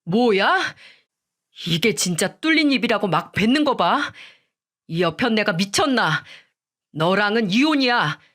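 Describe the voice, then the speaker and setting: A woman voicing an agitated grown son who scolds his wife in an angry, shouting manner, in a storybook radio reading. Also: medium pitch, very animated, a little slow. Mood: furious.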